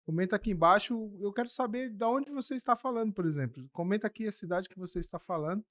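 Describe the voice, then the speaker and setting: Man, Brazilian Portuguese accent, podcast host, fairly high voice, dry sound, affirming. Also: lively intonation, fast talker, a bit bright, dry recording. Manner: affirming, with frequent amens, urges viewers to comment. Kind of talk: podcast interview.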